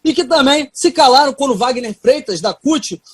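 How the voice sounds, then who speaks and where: A woman's voice: high voice, expressive, normal speed, breathy edge, dry recording. A Brazilian Portuguese-speaking woman, a legislator, giving a combative, emphatic speech in a parliamentary session.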